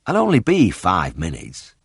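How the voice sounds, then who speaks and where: A man voicing a slow-drawling old Yorkshire farmer with an unhurried, lazy manner. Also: sits low, huge pitch swings, gravelly, slightly rough, dry recording, clean studio sound, exaggerated voice. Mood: laconic.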